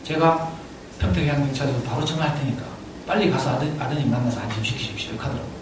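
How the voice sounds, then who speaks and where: A middle-aged man with a Gyeongsang accent tells a personal story to an audience, animated and laughing often as he talks. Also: mid-range voice, rapid-fire. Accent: Gyeongsang (Daegu). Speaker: parent speaking at a parenting lecture. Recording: echoey hall, distant mic, audible room noise.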